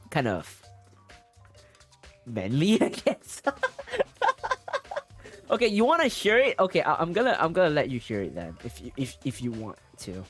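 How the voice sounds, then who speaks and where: A man's voice: on the high side, a bit bright, slightly rough. A man streaming a story game, reading its text aloud and chatting with viewers with frequent giggles. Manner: giggly, chatty, reacting to chat.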